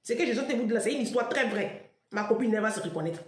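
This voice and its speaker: Woman, Ivorian French accent, fairly high voice, emphatic storyteller, laughs a lot, echoey room. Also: expressive, quick pace, background noise. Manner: chatty, emphatic, laughs often, fillers like "là" and "hein". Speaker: online commentator. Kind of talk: animated storytelling monologue.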